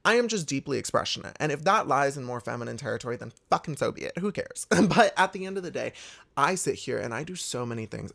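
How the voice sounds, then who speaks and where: A young man giving a candid, emphatic pep talk, swearing freely and confiding in his viewers. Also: gravelly. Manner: emphatic and expressive, swears freely, big swoops in pitch. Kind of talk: candid motivational monologue.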